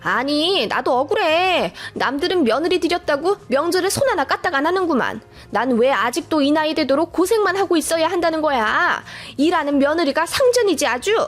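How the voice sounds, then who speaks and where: A woman's voice: high-pitched, expressive, moderate pace, soft background music. A woman voicing a harsh, scornful older mother-in-law who scolds sharply. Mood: whining.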